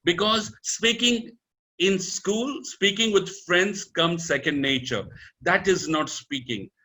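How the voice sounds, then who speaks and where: An Indian man in his fifties coaches an audience on public speaking with a bright, forceful voice pitched a little high. He talks emphatically and swings his pitch up and down. He drops Hindi words into his English. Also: takes it slowly. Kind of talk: motivational talk.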